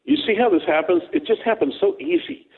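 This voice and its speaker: A co-host man on a call-in radio show tells rambling, joking stories. His voice swoops up and down and sits a bit high. The sound is tinny and narrow, like a phone line. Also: very animated, fairly quick, creaky. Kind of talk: casual radio talk.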